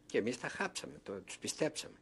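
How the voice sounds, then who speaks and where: A man's voice: mid-range voice, big pitch swings, creaky, a bit bright, husky. An older man from Thessaloniki giving an oral history testimony as an interviewee, telling his story and acting out remembered conversations. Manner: storytelling that acts out remembered dialogue.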